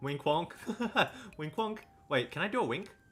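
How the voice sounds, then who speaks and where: A man speaks in a high-pitched voice. There is noticeable background noise. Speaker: vtuber streamer. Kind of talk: casual chat. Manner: animated.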